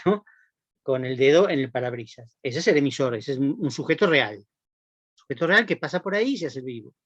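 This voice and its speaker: A man's voice: fairly high pitch, no room sound, highs cut off. Rioplatense man lecturing, checking "¿sí?". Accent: Rioplatense Spanish. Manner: explanatory, frequent checking tags "¿no?" and "¿sí?". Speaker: university lecturer. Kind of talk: recorded class lecture.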